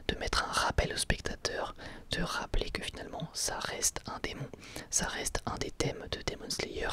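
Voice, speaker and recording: An ASMR creator talks in a steady whisper. The delivery is hushed and hesitant, in the manner of an episode recap, and the pitch moves around a great deal.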